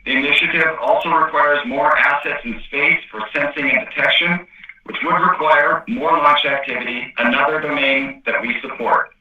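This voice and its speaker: A man reading a scripted corporate presentation as an executive on an earnings call, in a formal, measured way. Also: fairly high pitch, fairly even intonation, pushed and bright, recorded from a distance. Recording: echoey, muffled conference call line.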